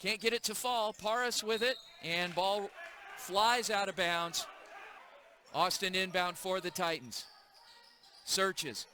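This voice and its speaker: High pitched guy doing play by play at a school game, bright sharp voice, brisk. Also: slight background noise. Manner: brisk, energetic call of the action. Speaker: play-by-play announcer. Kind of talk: live high school basketball commentary.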